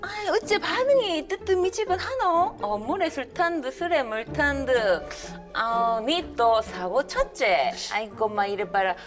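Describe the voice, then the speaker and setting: A woman playing a loud, fiery middle-aged wife who scolds her husband in a Gyeongsang dialect, in a comic sketch. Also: lively intonation, unhurried, few pauses. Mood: scolding. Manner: shrill, exaggerated comic scolding. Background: music.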